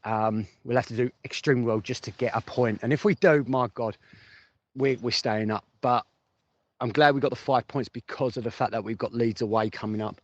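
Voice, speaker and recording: In a steady, mid-range voice and at a fairly quick clip, a man reacts to football as a fan, chatting loosely, thinking aloud and repeating phrases to stress them. The informal fan-podcast commentary, recorded without echo as a phone voice message, sounds muffled and lo-fi, with noise and clicks.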